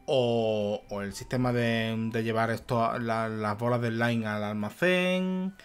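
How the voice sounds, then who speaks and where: A man's voice: mid-range voice, measured pace, smooth. A young man commentating a video game, exasperated, swearing and muttering to himself. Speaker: gaming youtuber. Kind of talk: let's play commentary.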